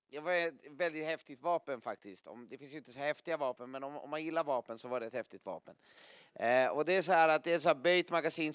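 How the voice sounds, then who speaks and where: A man with a slightly high, fairly bright and clean voice preaches a sermon to a gathering. He tells vivid stories full of sound effects, and laughter comes often.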